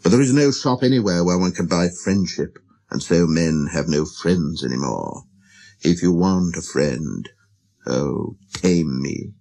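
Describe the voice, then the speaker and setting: Wistful wild fox for a storybook, male reader: deep, soft-toned, murmuring, slow and earnest. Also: animated, gravelly, heavily acted. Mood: sad, pleading. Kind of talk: storybook character reading.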